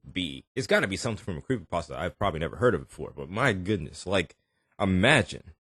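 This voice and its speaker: A man with a low voice, recorded very dry and close to the ear. He hosts a reaction video, casually musing and working through his thoughts out loud. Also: breathy edge, no echo. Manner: musing, thinking aloud.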